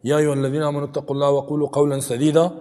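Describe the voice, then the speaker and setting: A man's voice: a little high, completely flat delivery, warm tone, big-room sound. A man with an Afghan Dari accent giving a Quran commentary lesson, reciting Arabic verses and then explaining them in plain, chatty talk with rhetorical "right?" asides. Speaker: Quran teacher.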